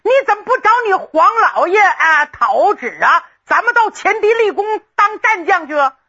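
A woman storyteller voicing an excitable teenage boy who lisps and stammers while egging his friend on. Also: very high voice, moderate pace, dull audio, pitched above the performer's own voice, full character voice. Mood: excited, urging. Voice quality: lisping, stammering.

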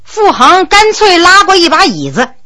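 A woman storyteller narrating a traditional tale in a lively, animated way. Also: very high voice, normal speed.

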